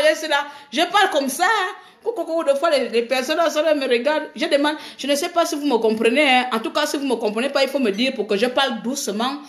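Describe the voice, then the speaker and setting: A woman's voice: high voice, fairly bright tone. A middle-aged woman from Gabon, chatting casually on a live stream, teasing her viewers and laughing often.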